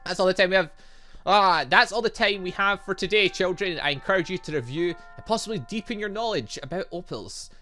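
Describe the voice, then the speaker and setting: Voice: medium pitch, brisk, pushed and bright, faint music behind, lightly acted. Pompous older professor put on by a game streamer. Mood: pompous lecturing. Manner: formal, grandiose teacherly delivery. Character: pompous older male professor lecturing young students.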